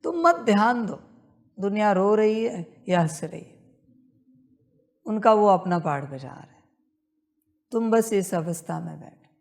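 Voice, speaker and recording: A woman leading a guided meditation, repeating her instructions in a slow, insistent spiritual talk. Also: mid-range voice, expressive, vocal fry, a little mellow.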